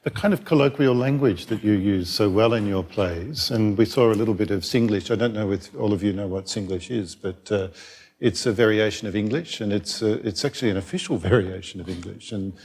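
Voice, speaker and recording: A low-voiced man with an Australian accent moderates a theatre panel. He asks long, rambling questions, often hesitating with ums and rephrasings. He speaks on a microphone at a public event. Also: brisk, darkish tone, slightly rough.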